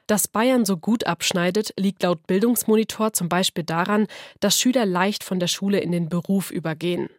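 A woman reporter from western Germany reading a scripted radio feature in an even way. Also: mid-range voice, moderate pace, no echo, clean studio sound. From North Rhine-Westphalia, Germany. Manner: even, read-aloud delivery.

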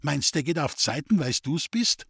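A man voicing a hot-tempered young farmer's son who talks in Bavarian dialect, urgent and hoarse as he barks orders. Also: on the high side, expressive, normal speed, dry recording, studio quality, pitched above the performer's own voice. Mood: angry. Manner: urgent, commanding, hoarse shouting.

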